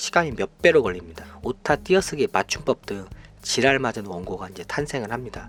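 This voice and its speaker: The pitch of this man's voice swings very widely. He speaks at a moderate pace. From South Korea. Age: 40s. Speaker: indebted small business owner vlogger. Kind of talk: scripted vlog narration.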